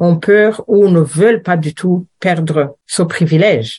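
The voice is somewhat breathy, with lively intonation and a very slow pace. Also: woman. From Rwanda. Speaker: director of a women's centre. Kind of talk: interview. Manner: halting with repetitions.

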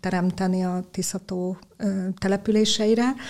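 In a very clean recording with a silent background, a woman talks fairly slowly at medium pitch in a monotone, flat intonation. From Hungary, Szolnok. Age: 50s. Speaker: entrepreneur and costume business owner. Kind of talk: interview. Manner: hesitant with filler sounds.

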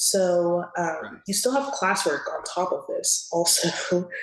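A woman's somewhat breathy, medium-pitched voice with lively intonation. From Atlanta, Georgia. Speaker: new teacher, student organizer. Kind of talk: interview.

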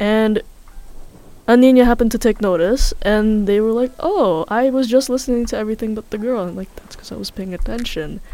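Speaking fairly quickly in a normal speaking voice, a woman with fairly high pitch shows big swings in loudness and ordinary pitch variation. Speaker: media producer and campus radio volunteer. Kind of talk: casual interview chat.

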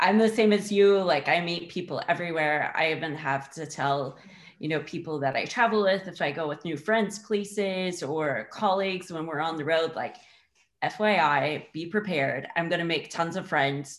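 In a normal speaking voice, a woman talks at a moderate pace and fairly low pitch with ordinary pitch variation. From Indiana. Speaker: podcast host. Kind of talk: casual interview chat.

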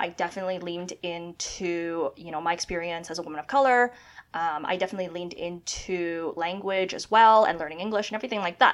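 With a Canadian accent, a woman speaks in a normal speaking voice at medium pitch, with ordinary pitch variation and a fairly quick pace. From Canada. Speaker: law student podcast co-host. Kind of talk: casual chat.

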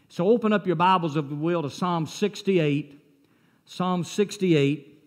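Speaking in a Southern US accent, a man uses lively intonation at a moderate pace. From South Texas. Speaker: pastor. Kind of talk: sermon. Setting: church. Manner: casual, storytelling.

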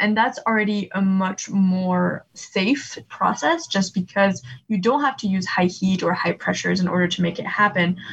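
A woman's somewhat breathy voice at medium pitch moves at a moderate pace with hardly any pauses and ordinary pitch variation. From France. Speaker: startup founder. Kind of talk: interview. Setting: video call.

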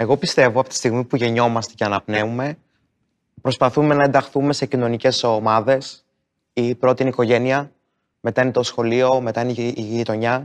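In a quiet background, a man speaks at a moderate pace with medium pitch and monotone, flat intonation. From provincial Greece. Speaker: panel discussion participant. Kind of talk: panel discussion.

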